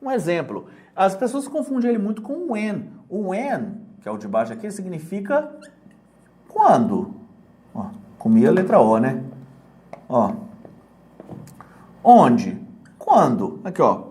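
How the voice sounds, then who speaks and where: Brazilian-accented teacher, casual prep lesson, jokey and patient, pitch swinging widely. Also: sing-song, dark tone. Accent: Brazilian Portuguese. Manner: chatty, joking, explains slowly with examples. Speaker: English teacher for exam prep.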